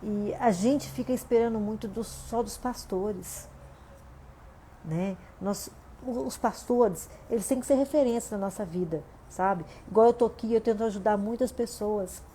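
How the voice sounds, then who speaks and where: Preaching a livestream sermon from her home, a Brazilian woman pastor speaks conversationally in a Brazilian Portuguese accent, repeatedly using "né?" and "gente." Her voice is mellow and medium-pitched at a moderate pace, with a little hiss or hum in the recording.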